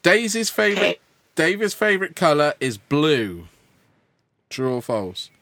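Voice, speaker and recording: A man's voice: on the high side, very animated, measured pace, creaky, fairly bright tone, no echo. A man co-hosting a podcast quiz, laughing and stumbling over names. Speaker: podcast co-host.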